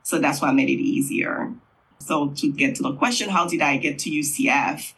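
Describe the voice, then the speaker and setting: A middle-aged man from Haiti, a Creole language teacher, answering interview questions in an unhurried, thoughtful way with frequent fillers. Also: fairly high pitch, creaky, a bit bright, breathy edge, poor audio.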